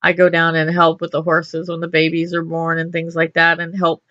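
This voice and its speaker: Radio host woman from texas, middle-aged, talky and upbeat, sharp bright voice on a dry, slightly dull recording. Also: low voice, completely flat delivery, normal speed, no room sound. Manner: chatty and upbeat, many restarts and laughs. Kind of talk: casual interview chat.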